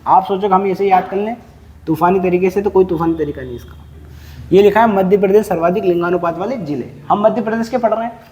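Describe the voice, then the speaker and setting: Teaching a live class lecture, a fast-talking man fires questions at his students and drills figures by repeating them again and again. His voice is high, soft and mellow, picked up by a lapel mic.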